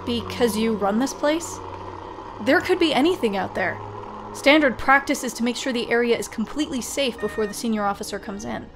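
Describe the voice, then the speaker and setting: A woman's voice: a little high, fairly quick, noisy background, close to an everyday voice. A woman acting a serious, cautious naval starship skipper in a sci-fi audio drama, formal and commanding in manner. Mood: wary, questioning.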